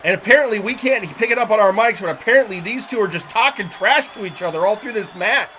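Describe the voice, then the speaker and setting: A man working as an excitable wrestling commentator, mixing live calls with conversational analysis. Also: high voice, quick pace, a little hiss or hum.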